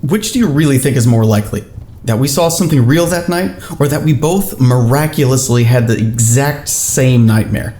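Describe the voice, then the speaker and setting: A woman's voice: rumbling low, moderate pace, dark tone, roomy sound. A woman playing an insistent, exasperated believer in an audio drama, emphatic and pleading. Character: insistent, exasperated believer pressing a skeptical old friend.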